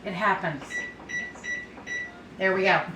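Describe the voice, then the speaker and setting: A woman's voice: medium pitch, slow pace. A middle-aged or older woman chatting casually and folksily to viewers as she bakes at home, rambling through anecdotes and repeating herself. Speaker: home baking video host. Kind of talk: casual rambling chat to viewers while cooking. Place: indoors, home kitchen. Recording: echoey room, distant mic, faint noise.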